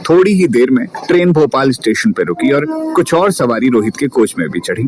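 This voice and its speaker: A man narrating a story in a lively, colloquial way. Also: medium pitch, normal speed. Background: music.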